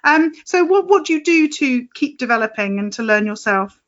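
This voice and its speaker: A woman from the north of England hosts a relaxed interview, chatting and often laughing along with her guest. Her voice is notably high. The audio is a little dull. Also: moderate pace. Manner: warm, laughs often, encouraging. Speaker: podcast host. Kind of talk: casual interview.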